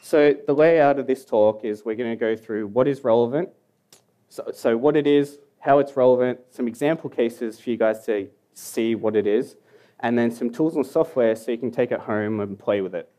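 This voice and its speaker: A young man with an Australian accent gives a laid-back, humorous security conference talk in a hall, at times mumbling. He speaks at a moderate pace in a mellow, medium-pitched voice.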